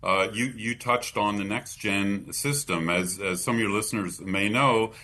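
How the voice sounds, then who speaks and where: A man with a North American accent, a policy expert explaining things in an interview with halting false starts. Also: lowish voice, pushed and bright.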